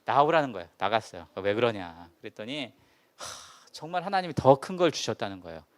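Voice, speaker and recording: Lively, animated male pastor telling a story. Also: medium pitch, fast talker. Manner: animated storyteller with rhetorical questions to the congregation. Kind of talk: sermon storytelling. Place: church service.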